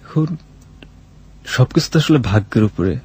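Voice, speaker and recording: A man with a Bangladeshi accent answering personal questions as a guest, in a plain, sincere, halting way. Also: medium pitch, expressive, a little mellow, slightly rough. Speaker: guest telling his life story. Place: radio studio.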